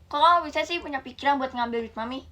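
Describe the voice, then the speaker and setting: Woman playing a loud scolding mother. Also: high voice, fast, slight background noise. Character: angry scolding mother, fed up with her child.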